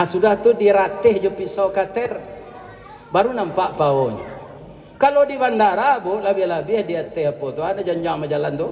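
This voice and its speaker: A man with a Minangkabau accent preaching to a congregation, telling stories and jokes in a lively way and often turning to the crowd with questions. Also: high-pitched. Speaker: Islamic preacher. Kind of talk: sermon with storytelling and jokes. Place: large hall with a congregation. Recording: echoey hall with long reverb.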